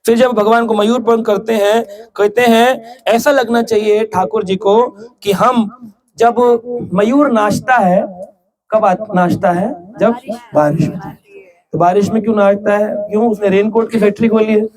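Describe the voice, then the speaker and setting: A man's voice: high voice, fairly even intonation, a little slow, a little mellow. A man giving a devotional lecture as a preacher, joking, asking the audience questions and acting out little scenes in story voices. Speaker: ISKCON preacher. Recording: live lecture with audible audience laughter. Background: audience laughing.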